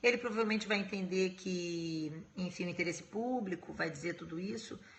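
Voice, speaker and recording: The speech moves at a moderate pace with ordinary pitch variation, and audible room echo surrounds it. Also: woman. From Brazil, Rio de Janeiro. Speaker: law professor. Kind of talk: live-stream Q&A lecture. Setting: live stream from home. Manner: casual, conversational.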